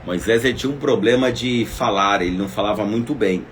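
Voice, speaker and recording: A man preaching a devotional Bible lesson, swinging between loud exclamations and soft asides as he speaks straight to his listeners. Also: on the low side, a little fast, slight background noise. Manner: speaks directly to listeners as "minha irmã".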